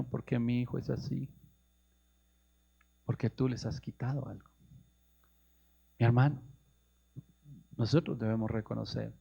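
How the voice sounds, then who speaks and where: Colombian male pastor, gravel in the voice, mid pitch, preaching with emphatic climbs, muffled radio sound. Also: mellow. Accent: Colombian Spanish. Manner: rising to high emphatic questions, addresses listeners as brother. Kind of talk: sermon.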